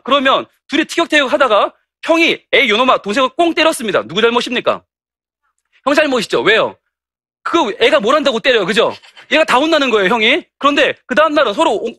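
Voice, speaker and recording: Male pastor, lively lecture, high bright voice, fast delivery, dry sound. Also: no room sound. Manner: animated and humorous, acting out anecdotes. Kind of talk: lively lecture to church teachers.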